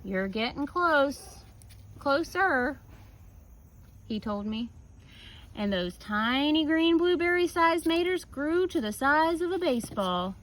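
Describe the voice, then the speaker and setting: A woman reading a picture book aloud like a teacher, with casual asides and expressive, drawn-out emphasis on key words. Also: sits high. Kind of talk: children's story read-aloud with casual asides.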